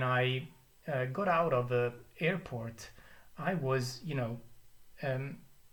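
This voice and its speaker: A man with an Italian accent sounds somewhat breathy and leaves long, frequent pauses. Audible room echo surrounds his voice. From Italy. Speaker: former police officer and YouTuber. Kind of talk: casual vlog monologue. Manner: halting, many fillers.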